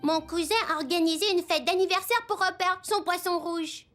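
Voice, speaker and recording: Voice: very high-pitched, steady tone, a little fast, fairly bright tone, faint music behind. A performer playing a chatty, friendly little boy in a children's cartoon, with an enthusiastic manner. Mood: chatty, amused.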